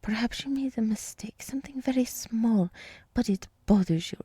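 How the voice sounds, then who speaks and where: Woman acting as a gentle deer woman, breathy half-whisper, dark mellow tone, ASMR roleplay, soothing, nurturing. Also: a little high, no echo, studio quality. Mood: reassuring. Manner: soft, half-whispered, soothing, reassuring with thoughtful pauses. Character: gentle, nurturing deer woman, encouraging forest monster girl.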